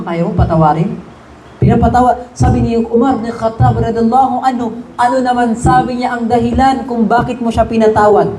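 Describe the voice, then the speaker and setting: A man giving a religious lecture, retelling stories with quoted dialogue and reciting Arabic phrases before translating them. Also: very high-pitched. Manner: animated storytelling with quoted dialogue. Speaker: Islamic preacher. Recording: echoey room with faint background noise.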